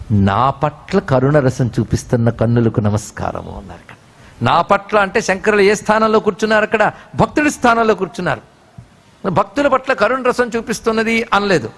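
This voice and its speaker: A man with a Telugu accent giving a devotional discourse, explaining verses with expressive delivery and chanting lines slowly. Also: fairly high pitch. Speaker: spiritual discourse speaker.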